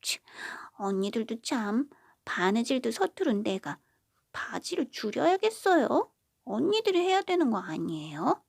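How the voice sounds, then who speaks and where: A woman's voice: on the high side, very animated, a little slow, gravelly, husky, dry recording, studio quality, pitched above the performer's own voice, full character voice. A woman voicing a sulky youngest daughter who pouts and whines. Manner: whiny, sulky.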